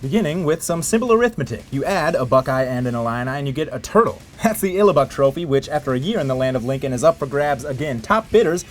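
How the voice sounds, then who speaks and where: A man reading a scripted sports highlights voice-over in a playful, wry manner with theatrical emphasis. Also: lively intonation, fast, hardly any pauses. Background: music bed.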